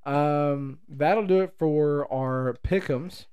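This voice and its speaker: A man's voice: fairly high pitch, slow pace, warm tone, smooth. A young man co-hosting a casual podcast, rambling and playful. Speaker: podcast co-host.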